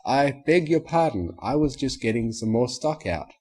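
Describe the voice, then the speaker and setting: A man's voice: medium pitch, a little slow, husky. A man voicing a farm mare who hides her country ways behind stiff, put-on politeness, in a storybook reading. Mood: polite. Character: down-to-earth farm mare faking city manners.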